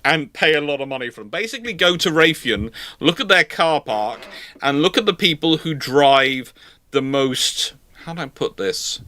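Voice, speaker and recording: Hosting a relaxed live Q&A, this man talks at a moderate pace in a fairly high, expressive voice with a sharp tone and no echo. His explanations come out emphatic, chatty and meandering as he answers viewers.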